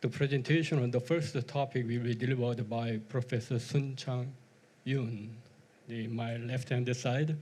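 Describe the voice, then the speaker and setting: Recorded with audible room echo, a man speaks in a monotone, flat way at a moderate pace, his medium-pitched voice dark, mellow and somewhat breathy. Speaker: session chair, professor. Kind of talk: conference moderating.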